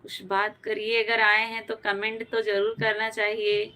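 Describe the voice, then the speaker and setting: An unhurried, monotone woman with a medium-pitched, bright, pushed voice runs a casual live stream. Originally from Uttar Pradesh, India, she says hello to viewers by name and responds to what they comment.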